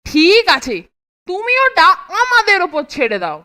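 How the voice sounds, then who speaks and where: A woman's voice: extremely high pitch, very animated, a little slow, bright, forceful tone, soft background music, exaggerated voice. A woman voicing a cheeky, scheming schoolboy in a children's cartoon, sly and confident. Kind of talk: Bengali children's cartoon voice acting.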